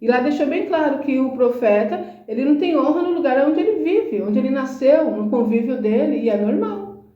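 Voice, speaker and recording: A woman's voice: high-pitched, animated, moderate pace, echoey room, muffled recording. A woman giving a conversational sermon, speaking earnestly and emphatically and often asking rhetorical questions. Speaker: Christian speaker.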